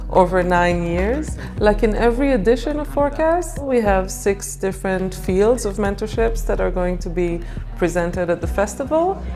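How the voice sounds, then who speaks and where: A woman organizer explaining the festival clearly in an interview. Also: mid-range voice, lively intonation, normal speed, dark tone, faint music behind.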